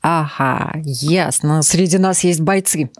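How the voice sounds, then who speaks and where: A woman hosts a studio podcast. Her voice sits a little low and sounds close and dry. She stays friendly, with easy filler sounds and a shifting pace. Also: takes it slowly, no echo. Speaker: podcast host. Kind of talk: hosting a studio talk show.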